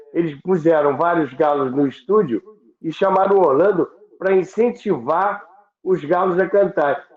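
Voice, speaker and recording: High-voiced Brazilian man on a phone-like line. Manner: halting, repeats words, asks rhetorical questions. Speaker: interview guest on radio history. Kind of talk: informal explanatory conversation. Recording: phone-like thin sound, echoey room.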